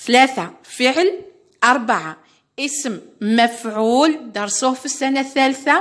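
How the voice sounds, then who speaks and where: A woman speaks very slowly in a high pitch with lively intonation against a quiet background. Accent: Algerian. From Algeria. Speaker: primary school teacher. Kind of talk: tutorial. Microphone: phone near.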